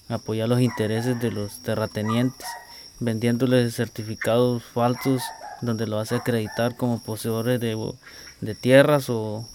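Community spokesman, flat and hesitant, outdoors with noise behind him. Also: medium pitch. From Costa Rica. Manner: halting, repeats words while searching. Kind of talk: field interview answers. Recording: outdoor field recording with clear background noise.

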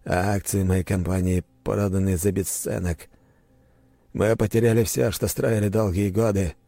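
A man voicing an older father, weak and hoarse after a coma, who speaks in short, commanding demands. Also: sits low, level tone, normal speed, warm tone, dry recording, voice pushed up. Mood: grim. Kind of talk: audiobook character voice.

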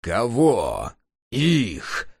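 A man voicing a gruff, menacing gang leader in an audiobook, slow and threatening. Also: mid-range voice, wildly swooping pitch, no echo, studio quality, heavily acted.

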